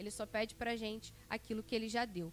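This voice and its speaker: A woman talks at a fairly quick pace. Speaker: preacher. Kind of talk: sermon.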